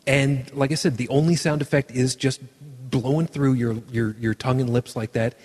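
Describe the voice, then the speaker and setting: A man hosting a casual podcast chat, talking with animated enthusiasm and frequent restarts. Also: medium pitch, normal speed, in a large hall. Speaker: podcast host.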